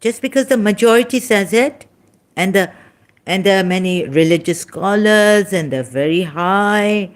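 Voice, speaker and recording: A woman with a Pakistani accent and Sindhi as her first language, giving an informal religious talk in halting, broken English with many restarts, tired and soft-spoken as she goes on. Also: mid-range voice. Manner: tired, winded and soft-spoken in later part. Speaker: religious commentator.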